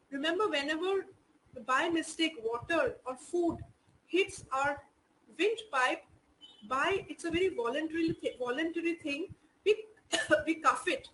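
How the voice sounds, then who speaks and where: High-voiced Indian woman teaching. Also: a little slow, long pauses, a bit bright, slight background noise, poor audio. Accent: Indian English. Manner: explanatory, many "you know" fillers. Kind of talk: online class lesson.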